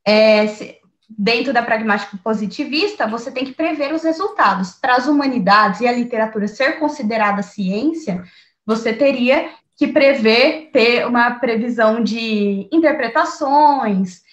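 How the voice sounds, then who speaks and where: A woman's voice: on the high side, moderate pace, roomy sound, muffled recording. A Brazilian woman teacher talking through her teaching approach in an interview, thoughtful, with many fillers and restarts. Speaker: teacher and researcher, guest. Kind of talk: conversational interview.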